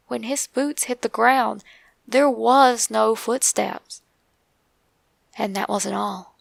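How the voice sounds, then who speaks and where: A woman with an Appalachian accent narrates a scary first-person tale. Her mid-pitched voice is thick with gravelly creak. She tells it in a measured way with dramatic pauses, recorded very dry. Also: no echo. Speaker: narrator of true scary stories.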